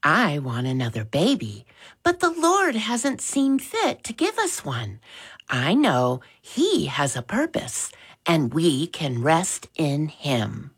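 A woman's voice: deep voice, huge pitch swings, takes it slowly, breathy edge, full character voice. A woman voicing a sincere Christian mother who speaks earnestly.

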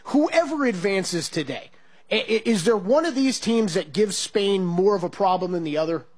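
A man co-hosting a sports talk show, asking quick questions that stumble a little. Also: high voice, lively intonation, slightly rough. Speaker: co-host.

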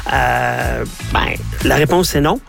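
A man's voice: mid-range voice, slow pace, vocal fry, faint music behind. A middle-aged man with a Canadian French accent hosting a radio show, talking with a slight cold and many hesitant fillers. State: has a head cold, coughing a little. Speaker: radio host.

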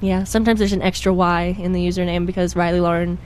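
Young woman guest, chatty and bubbly, pitched a little low, casual interview. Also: level tone, fast talker, darkish tone. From Pennsylvania. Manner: bubbly, chatty, full of fillers. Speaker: guest musician.

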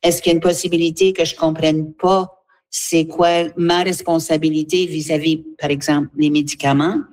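Woman guest, low-pitched, earnest and halting. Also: level tone, darkish tone. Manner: earnest, halting, with many fillers. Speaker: guest, seniors' association representative. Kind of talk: radio interview, advocacy.

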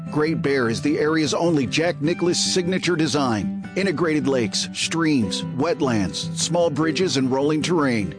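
A man's voice: fairly high pitch, expressive, a little slow, hardly any pauses. Male ad announcer over guitar music. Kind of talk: scripted radio ad read. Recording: radio ad with guitar music bed.

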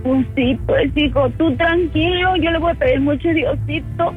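Mujer angustiada y llorosa al teléfono. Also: female voice, sits high, moderate pace, faint music behind. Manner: pleading, anxious, repeats herself. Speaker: mother on a phone call. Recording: tinny phone line.

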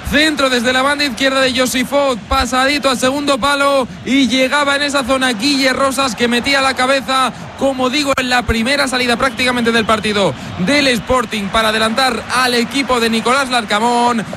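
A man doing live football radio commentary, calling goals and reporting the play in a quick, steady way. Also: very high voice, background noise. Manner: rapid excited goal calls, then steady match report.

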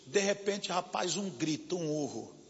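A pastor preaches and prays fervently, rebuking evil and repeating his phrases in a driving rhythm. His voice sits high for a man. The recording is dull and lo-fi, with a long reverb from a church hall. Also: lively intonation, a little slow, gravelly. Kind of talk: sermon and deliverance prayer.

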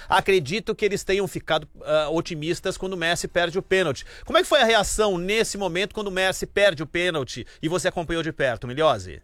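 A Brazilian male anchor with a somewhat high voice talks over a dry, close studio sound. He speaks in a conversational, analytic way, laughing along with the reporter now and then. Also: fast, few pauses, fairly bright tone, no room sound. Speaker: news anchor. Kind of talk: live news anchoring.

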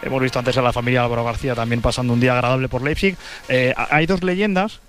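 A man's voice: mid-range voice, steady tone, fast talker, a bit bright, a little hiss or hum. A man reporting live for sports radio, fluent and enthusiastic. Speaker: field reporter.

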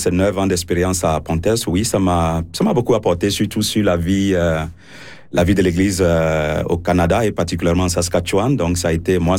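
Priest, male, low voice, thoughtful hesitant interviewee, dry studio mic. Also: darkish tone, no room sound. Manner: hesitant, many fillers and restarts. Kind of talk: radio interview answers.

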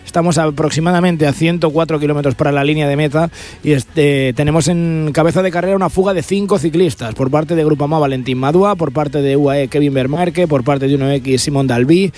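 A man's voice: on the high side, brisk, darkish tone. A man reporting on a cycling race for radio, fluent and detailed. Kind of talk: live sports report.

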